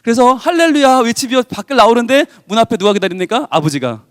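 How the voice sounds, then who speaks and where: A man's voice: extremely high pitch, animated, quick pace, fairly bright tone, no echo, clean studio sound. A male pastor giving a youth worship sermon, storytelling emphatically and acting out the dialogue. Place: church.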